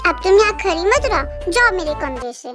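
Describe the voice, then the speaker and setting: A woman's voice: very high-pitched, big pitch swings, moderate pace, over music. A woman voicing a grown man with the mind of a five-year-old boy, pouty and clingy, speaking of himself by his pet name, reading a storybook. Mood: sulky.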